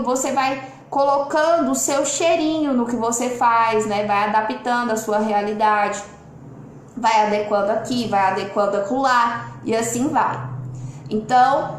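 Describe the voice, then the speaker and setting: A Brazilian woman speaking from home on a live stream, lively and expressive, changing her loudness and tone on purpose as she reads out viewers' comments. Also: sits high, echoey room, a little hiss or hum. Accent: Brazilian Portuguese. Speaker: lawyer and online mentor hosting a live.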